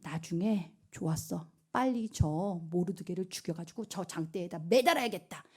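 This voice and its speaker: Sneaky villain guy muttering low and sly, woman doing the voice, bouncy delivery. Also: lively intonation, moderate pace, darkish tone, husky. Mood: scheming. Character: scheming, smug male villain official.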